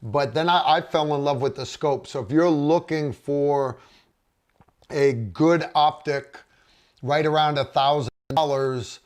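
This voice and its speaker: A man's voice: on the high side, measured pace, a little mellow. A middle-aged man hosting a casual livestream, reading viewer comments and rambling with frequent restarts. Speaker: livestream host.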